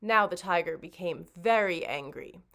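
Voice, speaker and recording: A woman's voice: fairly low pitch, normal speed, fairly bright tone. Woman reading a storybook expressively. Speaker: children's librarian reading aloud.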